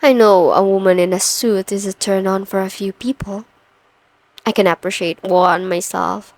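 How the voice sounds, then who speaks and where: A woman playing a confident, teasing, dominant boss in an intimate ASMR roleplay, with a commanding, coaxing manner and deliberate pauses. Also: medium pitch, fairly even intonation, darkish tone, no echo, lightly acted. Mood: smug, seductive. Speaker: audio roleplay performer.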